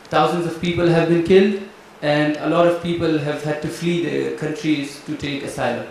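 A man's voice: on the high side, fairly even intonation, normal speed, gravelly, darkish tone, slight background noise. A young man from Pakistan, speaking hesitantly with many fillers, into a handheld mic on a stage. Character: young man patiently explaining his background. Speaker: performer in a staged dialogue. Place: large wooden-walled hall. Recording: echoey hall from a distance.

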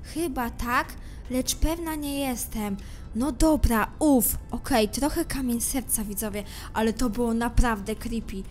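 A woman commenting on a game she is playing. She speaks to her viewers, moving from hushed suspense to loud panicked shouting. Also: on the high side, a little slow, soft background music. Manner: talks straight to viewers, swings from hushed suspense to screaming panic. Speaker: gameplay commentator.

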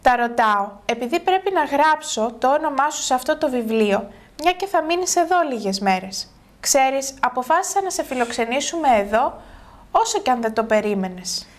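A woman's voice: high-pitched, lively intonation. A woman reading aloud as a friendly adult male director who keeps asking curious questions. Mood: amused.

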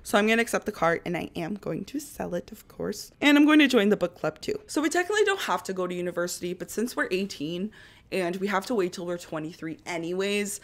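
A young woman with a raspy voice, still recovering from a cough, chatting through a mobile game walkthrough as a gaming channel host. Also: lowish voice. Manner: chatty, upbeat, narrates each step. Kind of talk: casual game walkthrough commentary.

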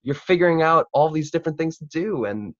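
A man in his twenties hosting a casual chat over a video call, animated and informal. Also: on the high side, a little fast, no echo. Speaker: host. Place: room at home, video call. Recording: dull, dry video-call audio.

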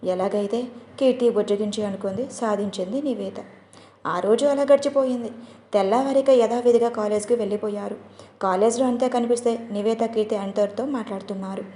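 A woman narrating a scripted audio story in an even, steady way. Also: on the high side, a little fast. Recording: roomy echo.

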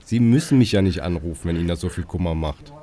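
An actor playing a weary police emergency dispatcher, dry and sarcastic. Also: male voice, deep voice, animated, fast talker, crowd noise. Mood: sardonic. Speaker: police emergency call operator. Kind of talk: radio play with narration.

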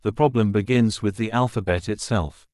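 A man's voice: fairly low pitch, moderate pace, darkish tone. A man reading a scripted passage aloud as a model exam answer.

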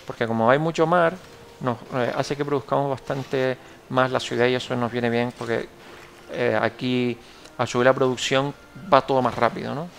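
Gravelly Canarian Spanish man thinking aloud. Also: medium pitch, fairly even intonation, normal speed, fairly bright tone, a little hiss or hum. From Canary Islands, Spain. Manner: rambling, self-correcting, thinking aloud. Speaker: gameplay tutorial host. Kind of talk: casual gameplay commentary.

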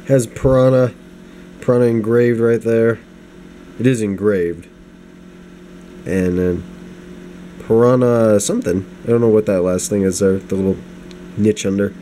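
A young man with a somewhat low voice talks at an unhurried, rambling pace as he reviews a knife at home. He sounds tired and a little sniffly from a recent flu, and he trails into side comments. A faint hum runs underneath the recording. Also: warm tone. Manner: rambling, self-deprecating, many restarts and asides. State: low energy, getting over the flu, sniffly. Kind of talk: casual unscripted product review. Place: home desk at night. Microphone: camera mic, hands-only framing. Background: space heater hum.

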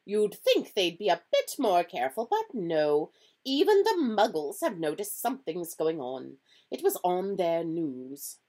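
A woman's voice: lowish voice, sing-song, a little slow, a little mellow, voice pushed up. A woman voicing a severe, irritable witch professor in a storybook, with a clipped, exasperated, emphatic delivery. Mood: impatient. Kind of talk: storybook character reading.

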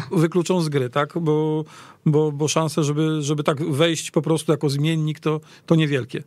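A man casually discussing football as a radio pundit, halting and repeating words as he searches for them. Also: on the high side, little pitch movement, a little mellow, dry recording. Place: radio studio.

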